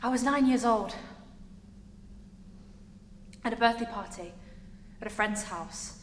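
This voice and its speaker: A woman playing a hurt, defiant young gay woman in a halting, emotional theatre monologue. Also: on the high side, lightly acted. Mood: tender, confessional. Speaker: acting student. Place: large reverberant indoor room. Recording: echoey hall with background noise.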